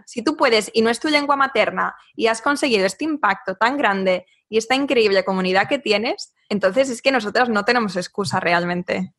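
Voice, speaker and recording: A woman's voice: medium pitch, normal speed, few pauses, a bit bright. A woman hosting a podcast interview, effusive and full of compliments for her guest. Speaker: host.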